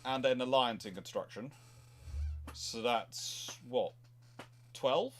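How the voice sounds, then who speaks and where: A man's voice: medium pitch, takes it slowly, soft background music. Rambling man chatting about history. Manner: rambling, digressive, self-interrupting. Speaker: host, naval historian. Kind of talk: casual history chat.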